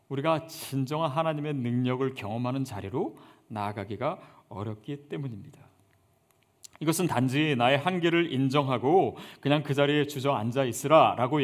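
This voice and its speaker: A man preaching a sermon as pastor, earnest and conversational, building up emphasis on key points. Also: a little high.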